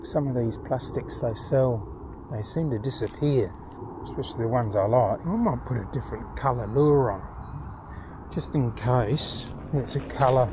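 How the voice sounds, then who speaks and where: Speaking at a moderate pace with ordinary pitch variation, a man comes through a dry recording with no echo but noticeable background noise. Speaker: angler vlogger. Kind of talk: casual vlog chat. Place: waterside. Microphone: phone near.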